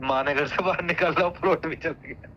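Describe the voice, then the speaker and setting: A man's voice: a little high, a little fast, fairly bright tone, slight background noise. A man with a North Indian accent chatting casually and recounting gossip on a recorded phone call.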